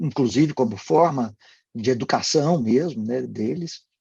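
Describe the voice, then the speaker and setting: Lively intonation runs through this man's dark, mellow, medium-pitched voice. He speaks at a very slow pace. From Brazil, Rio de Janeiro. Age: 60s. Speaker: cardiologist and business owner. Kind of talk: interview. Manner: halting, many fillers.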